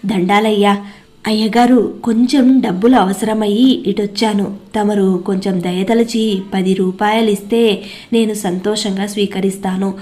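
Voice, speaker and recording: A woman's voice: medium pitch, fairly even intonation, measured pace, darkish tone, natural voice. A woman voicing a poor male farm laborer who humbly pleads for a loan in a storybook tale. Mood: pleading.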